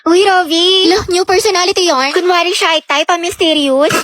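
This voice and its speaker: A woman's voice: very high-pitched, steady tone, moderate pace, background noise. A woman acting out school scenes in a comedy skit, with sassy, gossipy banter. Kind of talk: comedic skit voicing classmates.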